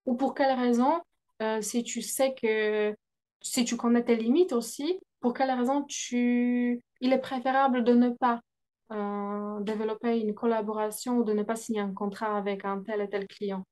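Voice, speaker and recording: A young woman talking as a guest in a conversational interview, searching for her words with many pauses and fillers. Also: fairly high pitch, little pitch movement, mellow.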